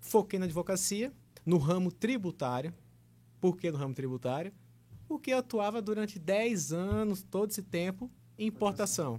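Lively intonation marks a man's dark, mellow voice at a moderate pace. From Recife, Brazil. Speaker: entrepreneur and lawyer. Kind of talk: casual podcast interview.

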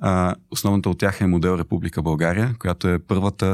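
A man's very deep, low voice with fairly even intonation, dry and close with no echo, on a very clean recording against a silent background. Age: 20s. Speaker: student and youth organization founder. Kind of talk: casual interview.

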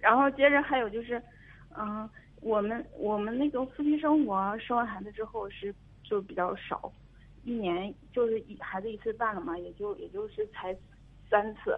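At a moderate pace, a woman speaks with a fairly high pitch and ordinary pitch variation. Her loudness swings widely, and her pauses are long and frequent. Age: 30s. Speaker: caller, stay-at-home mother. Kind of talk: phone-in advice call. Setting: phone call. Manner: halting, many fillers.

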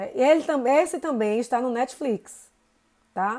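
A woman speaks in a high pitch at a moderate pace with an animated tone. The recording is very clean with a silent background. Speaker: series review vlogger. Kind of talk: casual monologue.

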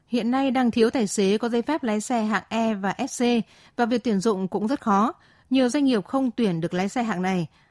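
On a very clean, dry and close recording with a silent background and no echo, a woman talks very fast at a fairly high pitch, with ordinary pitch variation and very even loudness. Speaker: radio news presenter. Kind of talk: news reading. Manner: formal.

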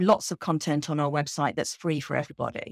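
A woman's very deep, low voice at a fairly quick pace, dry and close with no echo, in a very clean recording with a silent background. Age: 50s. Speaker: nonprofit founder. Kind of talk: interview.

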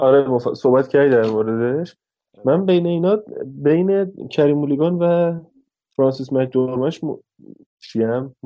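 A man with a fairly high voice speaks at a moderate pace with ordinary pitch variation and long, frequent pauses. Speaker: film podcast co-host. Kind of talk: casual chat.

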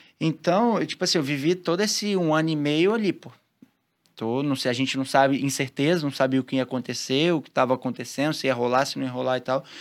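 A man talks at a very fast pace with a fairly high pitch and ordinary pitch variation, in a very clean recording with a silent background. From Brazil, Espírito Santo (moved from Rio de Janeiro at eight). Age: 20s. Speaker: professional surfer. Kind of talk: casual interview.

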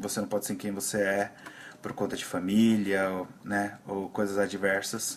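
A man speaks at a moderate pace in a fairly low pitch, his intonation monotone and flat. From Brazil, São Paulo city. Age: 20s. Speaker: podcaster. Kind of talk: personal storytelling monologue.

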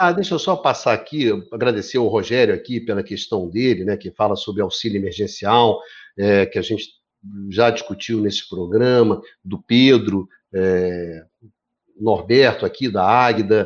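This is an ordinary speaking voice with ordinary pitch variation at a moderate pace. The background is quiet. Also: man, medium pitch for a man. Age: 60s. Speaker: political commentator. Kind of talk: casual chat.

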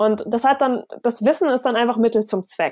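A woman with an unremarkable speaking voice talks at a moderate pace, fairly high in pitch with ordinary pitch variation. The recording is very clean, with a silent background. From Germany, Berlin. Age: 20s. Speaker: entrepreneur and education activist. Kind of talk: podcast interview.

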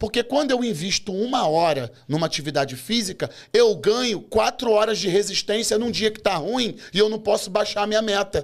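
In an animated tone, a man speaks at a high pitch and a moderate pace, with lively intonation and hardly any pauses. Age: 40s. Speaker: rideshare driver. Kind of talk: casual podcast chat.

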